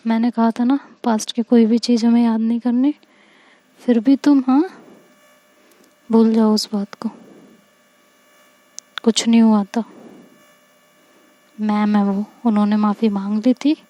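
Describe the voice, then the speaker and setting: Captured dry, this woman's somewhat high voice carries an Indian accent as she casually recounts a romantic story. Her telling is chatty and colloquial, with animated dialogue she performs herself.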